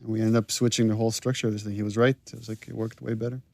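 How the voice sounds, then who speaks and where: A man giving thoughtful developer commentary, pausing and restarting as he explains his choices. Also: lowish voice, level tone, gravelly, mellow, no echo. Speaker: game director giving commentary.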